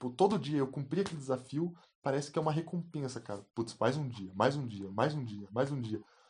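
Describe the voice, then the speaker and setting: Somewhat breathy and at medium pitch, a man talks at a fairly quick pace with lively intonation. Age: 20s. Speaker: podcast co-host, electrical engineer. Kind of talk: casual chat.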